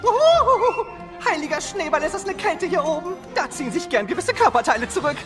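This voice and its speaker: An actor playing a sarcastic young bird-dinosaur son in an audio drama, dry and giggly. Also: male voice, very high voice, big pitch swings, fairly quick, over music.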